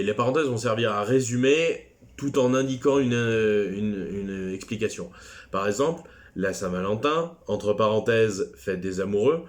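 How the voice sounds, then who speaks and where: A man teaching a recorded French class lesson, chatty and digressive, with self-deprecating asides. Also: mid-range voice.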